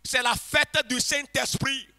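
A man preaching a revival sermon to a congregation, passionately shouting and chanting repeated phrases and leading them in prayer. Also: extremely high pitch, steady tone, slow, gravelly, faint music behind. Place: church congregation.

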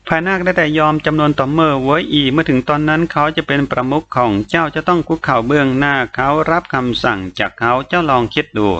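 A man's voice: fairly high pitch, fairly bright tone. A man voicing a sinister, scheming spirit that tempts and urges in a coaxing way, in an audiobook. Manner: coaxing, insistent urging. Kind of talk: audiobook character voice. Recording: slightly muffled recording, faint noise.

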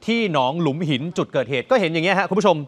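A man presents the news with a high, ringing voice. He puts heavy stress on his words and keeps turning to the audience as he reports. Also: very fast. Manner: emphatic, addresses viewers directly.

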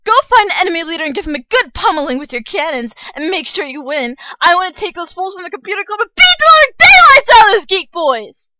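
Woman acting a brash, bossy anime schoolgirl, high-pitched. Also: very animated, fast, few pauses, no echo, exaggerated voice. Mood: fired up, commanding. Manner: forceful, brash, commanding. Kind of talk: anime dub audition acting.

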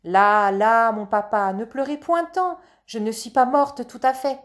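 A woman voicing a little girl acting on stage, speaking loudly and clearly to reach the back of a hall. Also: a little high, steady tone, measured pace, natural voice. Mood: reassuring. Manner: loud, clear projecting voice.

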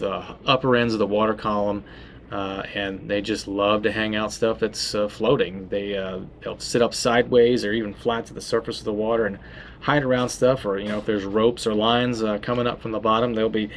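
Speaking in a lowish voice over slight background noise, a tackle shop host in his thirties from Florida gives a casual fishing how-to. He keeps it relaxed and conversational, restarting often and filling gaps with uh.

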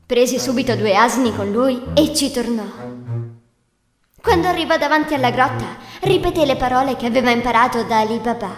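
High-voiced woman narrating a fairy tale. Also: a little fast. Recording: echoey hall reverb, music behind. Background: music.

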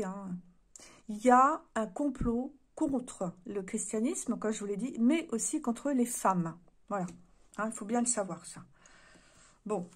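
A woman doing a casual card reading to camera indoors, musing aloud with many hesitations and her voice giving out. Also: fairly high pitch. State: voice giving out, clears throat. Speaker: card reader. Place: room indoors.

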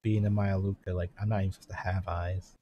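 A man's voice: deep voice, little pitch movement, fast, dark tone. A man playing a tabletop game, speaking in an easygoing, hesitant way. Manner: easygoing, hesitant, lots of agreeing murmurs. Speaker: player. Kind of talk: casual tabletop play over voice chat.

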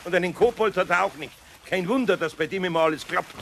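A put-upon Bavarian master carpenter grumbles his way through a children's radio play. His voice is creaky, bright and raised in pitch, with faint hiss behind it. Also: fast. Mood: indignant, scolding. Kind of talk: German children's audio play acting. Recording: faintly noisy old cassette recording.

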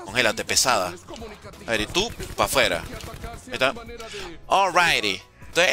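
A man's voice: mid-range voice, bright, forceful tone. A young man, chatting casually and joking as he reads out viewer questions during a live game stream. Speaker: gaming streamer. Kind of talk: casual live-stream chat while playing. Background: faint background music.

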